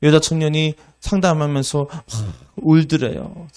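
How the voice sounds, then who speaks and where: Male pastor preaching with a fairly high voice, emphatic, rhetorical, by turns loud and soft. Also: fairly even intonation, normal speed, clean tone. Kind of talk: sermon.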